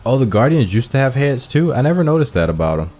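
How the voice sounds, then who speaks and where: A man's voice: mid-range voice, sing-song, fast talker, darkish tone, soft background music. A man giving casual, musing, conversational commentary as he plays a video game. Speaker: gaming YouTuber.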